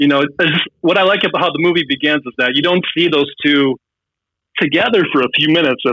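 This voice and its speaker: With an American accent, a man talks at a very fast pace and with ordinary pitch variation. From US Midwest, Fargo, North Dakota. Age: 40s. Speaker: film editor and video essayist. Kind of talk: casual chat.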